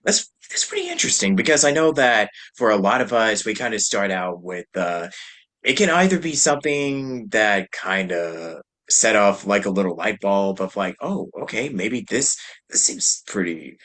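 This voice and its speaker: A man's voice: lowish voice, sing-song, moderate pace, fairly bright tone. A man hosting a podcast, chatting casually in a loose, rambling way and laughing easily. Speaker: podcast host. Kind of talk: casual chat.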